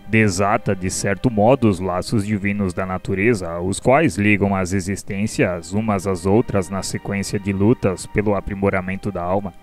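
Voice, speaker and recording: An actor playing a wise, generous spiritual mentor in a radio drama, lecturing formally and didactically with a Brazilian accent. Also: male voice, low voice, natural voice.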